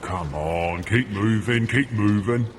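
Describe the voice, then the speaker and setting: A man's voice: fairly low pitch, takes it slowly, slight background noise. An actor playing a brusque male city guard in an audio adventure, bossing a crowd with curt authority. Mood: stern.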